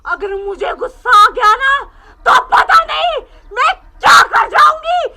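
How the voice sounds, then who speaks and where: An actress playing a possessed girl whose spirit taunts and threatens a holy man, shouting and cackling. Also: very high-pitched, expressive, slow, full character voice. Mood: taunting. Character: possessed girl, spirit Anarkali, defiant and fierce.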